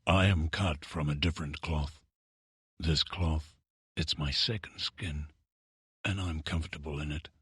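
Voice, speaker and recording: A man's voice: extremely low pitch, steady tone, measured pace, a bit bright, breathy edge, no room sound, studio quality. A man working as a voice-over artist, reading scripted commercial and documentary narration.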